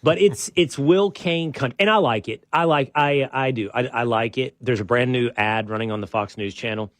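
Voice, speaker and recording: A middle-aged man opens his show with loose, easygoing chatter, circling back on himself and cracking small jokes at his own expense. His voice sits at an ordinary male pitch. The sound is close and dry, with no room around it. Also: moderate pace, no room sound. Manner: relaxed and rambling, with frequent restarts and self-deprecating asides. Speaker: podcast host. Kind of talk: casual show-opening chat.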